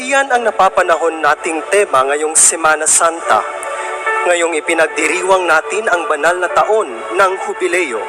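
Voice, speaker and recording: A man with a Filipino accent hosting a religious broadcast, reading solemn, measured narration in a reverent manner. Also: a little high. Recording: background music under the voice. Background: music.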